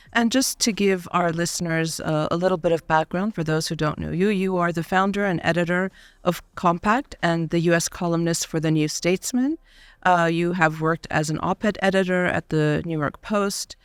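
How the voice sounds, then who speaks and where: Woman podcast host, smooth resonant voice, measured delivery with fillers, dry studio sound. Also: lowish voice, no echo. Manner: measured, with frequent fillers and soft laughs. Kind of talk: podcast interview. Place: university studio.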